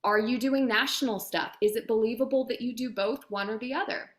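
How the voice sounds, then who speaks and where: Woman, higher-pitched voice, chatty, keen and emphatic, explaining a process in an interview. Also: brisk, a bit bright. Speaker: voiceover demo producer and director, interview guest.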